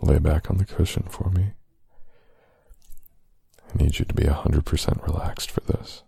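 Deep gravelly whispering man. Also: steady tone, no room sound. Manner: soft, slow, whispered close to the ear. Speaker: ASMR performer. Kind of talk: intimate ASMR roleplay.

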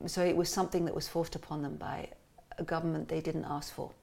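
A woman telling family and cultural stories as an interview guest in a lively, animated way. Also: sits low, fast, gravelly. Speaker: interview guest, musician and cartoonist. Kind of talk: casual conversational interview.

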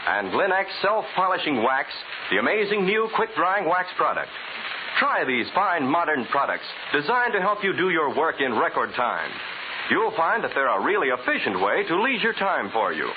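A man's voice: a little high, big pitch swings, normal speed. A man announcing and narrating in a formal, emphatic, dramatic 1940s radio style. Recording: hissy, tinny 1940s radio recording.

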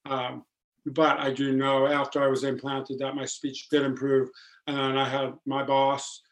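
A man with a deep voice talks as a podcast guest. His delivery is earnest and steady, with little rise and fall and frequent ums and restarts. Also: measured pace. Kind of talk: casual podcast conversation.

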